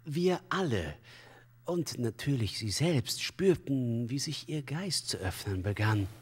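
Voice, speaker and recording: An esoteric commune leader in a crime radio play. He is unctuous and evasive, halting and solemn in his flowery talk. The husky voice swings widely in pitch under long reverb. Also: expressive. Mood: mournful, evasive. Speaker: suspect under police questioning. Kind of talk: crime radio drama acting.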